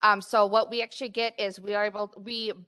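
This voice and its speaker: A woman's voice: mid-range voice, flat delivery, brisk, bright, forceful tone, smooth. A woman, presenting a library report at a board meeting, upbeat with frequent fillers, speaking into a desk mic in a meeting room. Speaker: library director. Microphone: desk mic in front.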